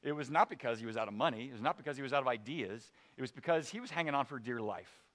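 A man preaching a sermon to his church, telling a story animatedly and dropping to a quiet, serious tone for weighty points. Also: mid-range voice, quick pace. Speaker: pastor.

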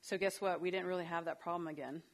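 A woman's voice: fairly low pitch, steady tone, fast. A woman counselor giving a talk on parenting, conversational and storytelling, with fillers and asides. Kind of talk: parenting talk with personal anecdotes.

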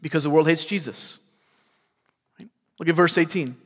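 Man, Southern US accent, earnest sermon, slightly higher voice, long hall reverb. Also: normal speed. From grew up in California and Georgia. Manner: earnest, repeats words, asks the crowd "right?". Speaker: pastor.

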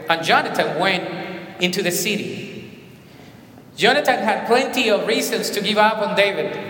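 Colombian-accented pastor preaching in a reverberant hall. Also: male voice, high voice. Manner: animated preaching with emphatic repetitions. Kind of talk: sermon. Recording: echoey hall with long reverb.

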